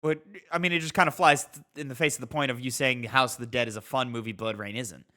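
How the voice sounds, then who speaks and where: A man chats as a podcast co-host in an informal, bantering way. His voice is bright, at a middling pitch. He speaks like he is among friends. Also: fairly even intonation, fast talker. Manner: sweary. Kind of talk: casual chat, bantering.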